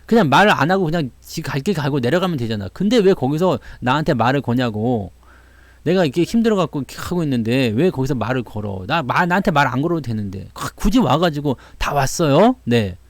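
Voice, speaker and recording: A man's voice: mid-range voice, animated, fast talker, dry recording. A man talking casually to viewers about the stock market, telling stories and acting out the voices of people he quotes. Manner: chatty storytelling, acts out quoted voices, laughs often.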